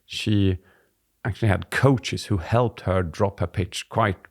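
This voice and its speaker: A man in his forties, a presentation coach, explaining at a relaxed pace as he co-hosts a podcast on a studio mic. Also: lowish voice, slow pace. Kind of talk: casual podcast chat. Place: dim studio with warm lamps. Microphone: studio mic on boom arm.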